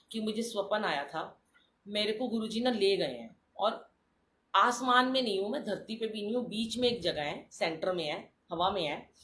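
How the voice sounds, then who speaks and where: An older woman giving an earnest devotional talk, telling a dream story and addressing listeners warmly as a congregation. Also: medium pitch, a little hiss or hum. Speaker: satsang speaker. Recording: roomy live stream with faint ambience.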